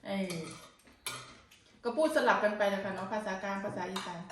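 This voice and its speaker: A woman's voice: medium pitch, fairly even intonation, normal speed, noisy background. A woman from northeastern Thailand with an Isan accent, chatting casually and coaxing her child while cooking and eating at home. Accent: Isan Thai. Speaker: vlogger and mother. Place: home kitchen. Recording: echoey room, distant mic, dish clatter.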